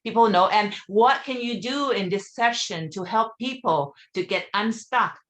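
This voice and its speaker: A woman's voice: medium pitch, measured pace, fairly bright tone. Upbeat woman host. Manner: upbeat, playful, asks stacked questions. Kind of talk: casual interview hosting.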